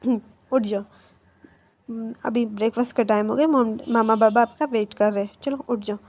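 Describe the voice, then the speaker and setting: A caring young older sister coaxes softly and patiently. Her voice is fairly high and mellow, as a woman narrator puts her on. It belongs to a storybook retelling. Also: steady tone, normal speed. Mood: coaxing.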